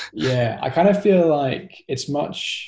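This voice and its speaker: With somewhat breathy delivery, a man talks using lively intonation. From Scotland. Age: 20s. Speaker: guest who stutters. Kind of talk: interview conversation. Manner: halting, stuttering with fillers.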